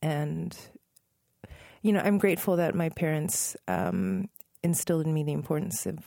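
Gravelly low-voiced woman, warm and relaxed. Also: normal speed, dry recording, studio quality. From Northern Virginia, USA. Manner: thoughtful, self-correcting, laughs softly. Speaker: musician guest. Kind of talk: relaxed interview conversation.

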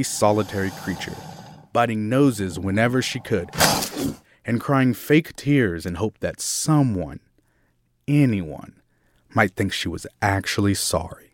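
A male storyteller with a mid-pitched voice that rises and falls in lively swings. He reads a children's tale in scripted narration and slows down for drama. Faint classical music plays under his words. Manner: expressive, slowing down for drama. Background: soft classical music.

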